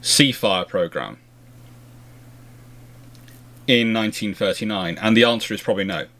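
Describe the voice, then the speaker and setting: A man's voice: on the low side, fairly quick, fairly bright tone. Rambling man chatting history. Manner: rambling, discursive, often circling back to rephrase. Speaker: host answering viewer questions. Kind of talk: casual naval history question-and-answer chat.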